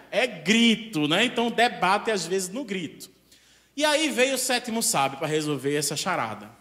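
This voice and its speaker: A man with a Brazilian accent and a voice that sits high delivers a spiritist lecture. He's animated and conversational, frequently posing questions to the audience.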